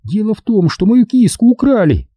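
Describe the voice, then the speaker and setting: A man's voice: high-pitched, sing-song, moderate pace, breathy edge, no room sound, dull audio, voice pushed up, full character voice. A man reading an audiobook, voicing a tipsy young woman who rambles indignantly through her points. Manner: drunken rambling, counting points.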